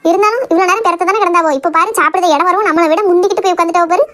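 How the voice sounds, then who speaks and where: High, fast-chattering woman. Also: fairly bright tone. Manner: grumbling gossip, quick and chatty. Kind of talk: casual chat.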